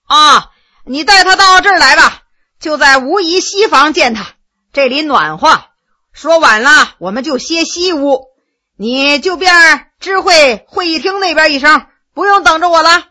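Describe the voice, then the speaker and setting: A woman's voice: sits high, lively intonation, a little slow, bright, forceful tone, full character voice. A woman voicing a scheming, jovial male Qing-era official who banters glibly, in a told story. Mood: jovial, teasing. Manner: teasing, glib banter.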